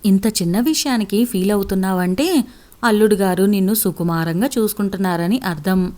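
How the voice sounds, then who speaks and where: A woman's voice: medium pitch, fairly quick, close to an everyday voice. A woman doing a teasing, loving mother. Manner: gently teasing.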